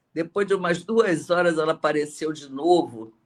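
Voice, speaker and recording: A man with a high pitch and ordinary pitch variation speaks in an animated tone at a fairly slow pace. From Brazil, Rio de Janeiro. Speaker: children's author and retired teacher. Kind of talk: interview storytelling.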